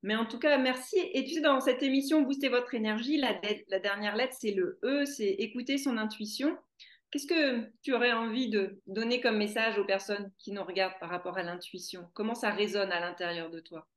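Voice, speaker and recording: A woman hosting a conversational interview on a video call, warm and encouraging with her guest. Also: a little high, moderate pace, reverberant. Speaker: host.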